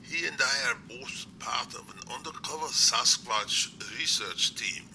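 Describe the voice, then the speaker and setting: A man playing an earnest, courteous doctor in an amateur audio drama, speaking in a formal, measured way. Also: medium pitch, wildly swooping pitch, pushed and bright, heavily acted. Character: earnest, courteous male doctor, secret Sasquatch researcher. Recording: clear background noise.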